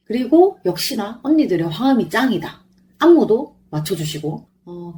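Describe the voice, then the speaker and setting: Woman podcaster gushing like a big fan, really up and down pitch, sore throat, bit of background noise. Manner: effusive, animated fan talk. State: sore, strained throat after singing along. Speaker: podcast host. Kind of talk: chatty solo concert review.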